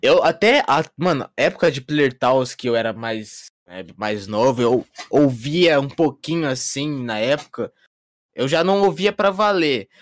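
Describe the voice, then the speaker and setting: An unremarkable speaking voice from a man, fairly high in pitch, with lively intonation at a fairly slow pace and a dry, close sound with no echo. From Brazil, São Paulo state interior. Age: young. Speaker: internet video creator. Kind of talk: casual chat.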